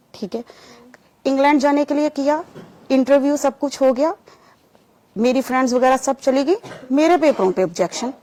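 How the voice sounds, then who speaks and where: A woman giving a personal testimony in an interview, telling her story with lively acted-out dialogue. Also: on the high side. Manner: animated storytelling, acting out remembered dialogue.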